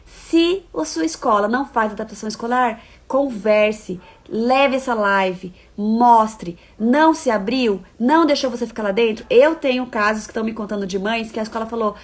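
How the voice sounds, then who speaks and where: A woman giving parenting advice in a live-stream talk. She is expressive, shifting from soft, reassuring coaxing to emphatic points. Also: a little high, normal speed, few pauses. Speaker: parenting educator.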